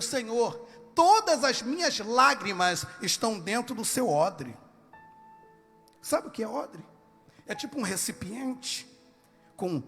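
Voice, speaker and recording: A man with a Brazilian accent preaching a sermon in a church, impassioned, swinging from soft to shouted. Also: high-pitched, vocal fry, long reverb tail.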